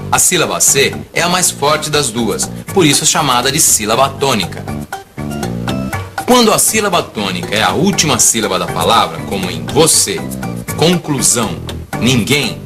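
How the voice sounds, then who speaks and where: A man narrating a scripted grammar lesson in a clear, didactic way. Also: medium pitch.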